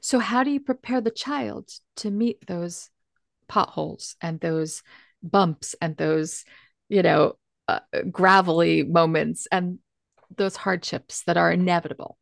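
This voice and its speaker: A woman's voice: lowish voice, a little slow, creaky, no echo, studio quality. A woman speaking candidly and emotionally in a conversation, earnest and emphatic.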